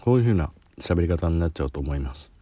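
A man's voice: deep voice, lively intonation, fast talker, warm tone. A man with a Kansai accent talking casually on a solo podcast while reviewing a spicy snack, sweaty and sniffling. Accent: Kansai Japanese. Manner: chatty, self-deprecating, sniffling while eating spicy food. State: sweating and runny nose from spicy food.

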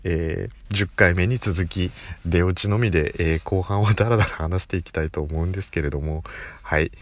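A man's voice: deep voice, brisk. A man hosting his own casual talk podcast, telling a meandering story full of fillers and restarts. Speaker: podcast host. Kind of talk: casual solo chat.

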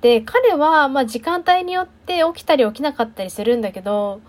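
Chatty young woman, fairly high voice. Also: animated, fairly quick. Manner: chatty, self-deprecating, many fillers. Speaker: podcast host. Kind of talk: casual solo monologue.

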